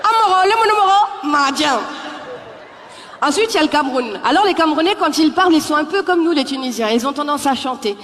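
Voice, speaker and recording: Woman comic from the paris suburbs doing stand-up, teasing, high voice, big echoey hall. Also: rapid-fire, hardly any pauses. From Paris suburbs, France. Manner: lively, teasing, talks directly to the audience. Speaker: stand-up comedian. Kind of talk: live stand-up set. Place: live comedy stage in a theatre. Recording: echoey hall, faint crowd noise.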